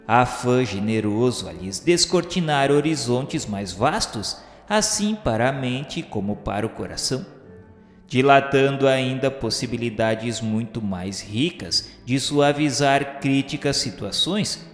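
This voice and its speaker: A man's voice: medium pitch, lively intonation, measured pace. Brazilian man narrating solemnly in echoing reverb. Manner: formal, literary delivery. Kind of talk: solemn scripted narration of a spiritist radio novel. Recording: echoey hall-like reverb. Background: music.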